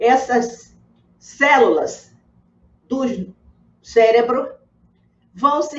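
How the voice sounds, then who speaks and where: A woman with a high-pitched voice talks at a very slow pace, her pitch varying in an ordinary way. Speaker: TV host and psychologist. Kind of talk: explanatory TV talk. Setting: TV studio.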